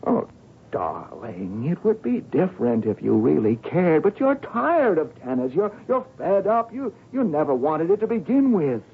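Brief: smooth-talking, desperate gambler; swooping pleas, lo-fi broadcast. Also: male voice, fairly high pitch, very animated, normal speed, full character voice. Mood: coaxing. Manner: coaxing, stammering, pleading. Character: wheedling man, gambler, manipulative suitor. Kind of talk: 1940s radio acting. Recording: tinny old radio broadcast.

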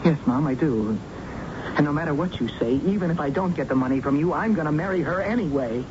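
An actor playing a nervous, stubborn college-age son with a hesitant, stammering delivery in a radio drama. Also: male voice, fairly high pitch, animated, quick pace, natural voice. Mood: earnest, urgent. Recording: muffled, noisy old radio broadcast.

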